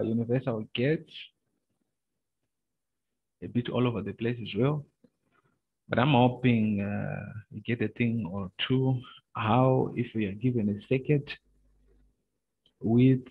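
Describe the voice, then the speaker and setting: Halting lecturer on a screen-recorded call. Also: male voice, on the low side, slightly rough. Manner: slow, halting, many pauses and filler sounds. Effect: screen-recorded video-call audio. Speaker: university lecturer. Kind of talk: online lecture over shared screen. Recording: narrow, phone-like video-call audio.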